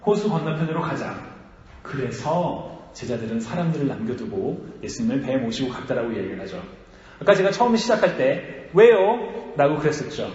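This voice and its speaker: A male pastor preaching a sermon, talking in a lively way, asking the congregation questions and acting out quotes. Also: mid-range voice, fairly quick, echoey room, big-room sound, dull audio. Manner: animated, asks the congregation questions and acts out quotes.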